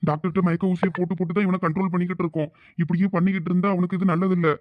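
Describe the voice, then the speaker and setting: A man's voice: sits high, little pitch movement, rapid-fire, no echo, narrow, tinny audio, natural voice. A man voicing a worried, loyal male friend who speaks urgently. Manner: urgent, pleading.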